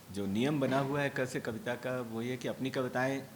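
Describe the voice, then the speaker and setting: A man speaks at a medium pitch, with audible echo from the room. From India, Kolkata. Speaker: poet and science teacher. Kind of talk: informal address to audience. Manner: halting, many fillers.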